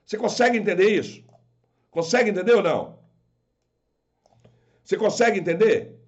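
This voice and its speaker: A man preaches with emphatic conviction, firing the same rhetorical question again and again. His voice sits high for a man. The recording is a little dull and muffled. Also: normal speed. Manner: quotes imagined objectors in put-on voices. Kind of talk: preaching to an online audience.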